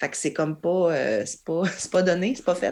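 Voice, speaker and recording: Speaking at a moderate pace in a Lac-Saint-Jean accent, a woman keeps a fairly low pitch with ordinary pitch variation. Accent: Lac-Saint-Jean Quebec French. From Quebec, Lac-Saint-Jean. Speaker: actress. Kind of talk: casual interview chat.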